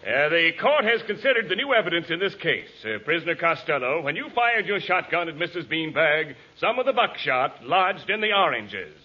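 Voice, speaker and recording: An actor playing a formal courtroom official pronouncing rulings in 1940s radio comedy style. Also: male voice, on the high side, big pitch swings, normal speed, few pauses, sharp tone. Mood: officious. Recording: dull old radio recording.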